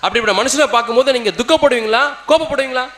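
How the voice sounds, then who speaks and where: Rapid high-voiced male sermon interpreter. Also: fairly bright tone. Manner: rapid, fluent, mirrors the preacher's emphasis.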